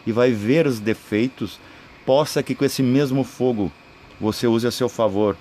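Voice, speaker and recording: A man's voice: mid-range voice, a little slow, warm tone, slight background noise. A man with a Brazilian accent giving informal esoteric teaching in a rambling, explanatory way, often adding checking tags. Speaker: spiritual video creator.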